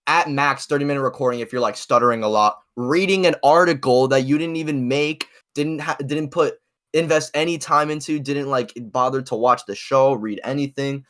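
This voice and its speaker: A man chatting casually as a podcast co-host, halting and slangy, with frequent filler words as he makes his point. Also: mid-range voice, fairly bright tone. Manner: halting, slangy, heavy use of "like". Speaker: podcast co-host, video creator. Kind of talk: casual opinion chat.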